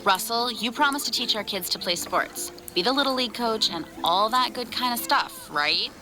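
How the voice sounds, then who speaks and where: Brief: actress as young indoorsy knitter wife, casual, mildly reluctant, slightly high voice, music bed. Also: female voice, expressive, normal speed, natural voice, rough recording. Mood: reminding. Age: young adult. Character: Ellen, homebody young wife who prefers knitting in shade. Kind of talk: naturalistic comedic audio drama.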